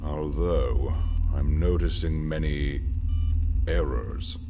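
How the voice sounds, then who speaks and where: An actor playing an imperious, scholarly villain lord in a sci-fi audio drama, deliberate and brooding, pausing between phrases. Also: male voice, very deep voice, gravelly, music in the background, full character voice. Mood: absorbed, brooding. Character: imperious, scholarly villainous male lord, obsessed with ancient power.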